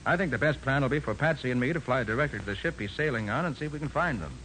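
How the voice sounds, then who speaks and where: An actor plays a confident, businesslike detective in an old radio drama. His voice is mid-pitched and very animated, brisk and decisive, over faint hiss. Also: natural voice, rough recording. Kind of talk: 1940s radio acting.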